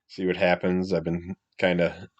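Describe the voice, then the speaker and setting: A middle-aged man, hoarse and congested from a cold, rambling casually as he opens a comic book review and often trails off into mumbles. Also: sits low, level tone, normal speed, muffled recording. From Wisconsin. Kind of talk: casual solo review chat.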